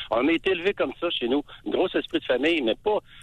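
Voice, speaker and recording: A man's very fast speech with lively intonation. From Quebec. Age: 50s. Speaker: caller. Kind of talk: phone-in call. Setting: phone call.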